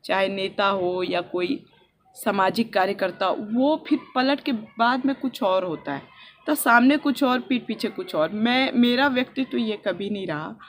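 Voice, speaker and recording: A young woman from India talking softly and earnestly in a personal vlog, recorded outdoors on a rooftop with a phone on a selfie stick. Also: medium pitch, measured pace, slight background noise. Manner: earnest and heartfelt, speaking softly. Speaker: vlogger.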